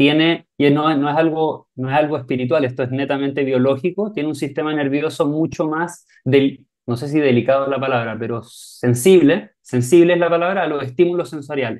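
Against a quiet background, a man talks in a fairly high voice. He keeps a fairly quick pace with ordinary pitch variation. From Chile. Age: 20s. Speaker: spiritual teacher. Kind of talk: interview. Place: home room. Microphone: earbuds.

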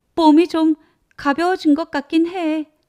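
Using a put-on character voice, a woman talks fairly slowly at an extremely high pitch with monotone, flat intonation, and the sound is dry and close with no echo. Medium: read story.

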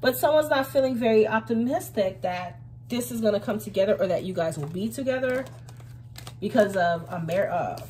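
A woman with very wide pitch swings at a moderate pace, over light background noise. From Haitian heritage. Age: 20s. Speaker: tarot reader. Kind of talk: tarot reading to camera. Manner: casual, chatty. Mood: calm, conversational. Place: home room. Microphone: phone near.

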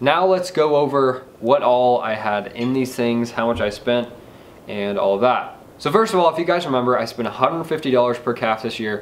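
The voice belongs to a man. His pitch shifts in an ordinary way. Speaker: farmer vlogger. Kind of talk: casual vlog chat. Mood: content, matter-of-fact. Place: farm machine.

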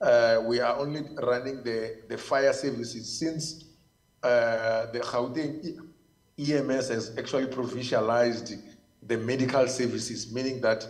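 A man talks at a fairly slow pace, his intonation fairly even, with a quiet background. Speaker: emergency services spokesperson. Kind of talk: interview answer. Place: car. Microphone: earbuds.

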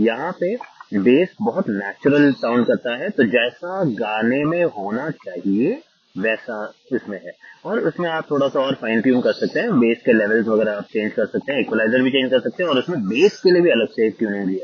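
With lively intonation and few pauses, a man speaks at a moderate pace in a medium-pitched voice that has a slightly husky edge.

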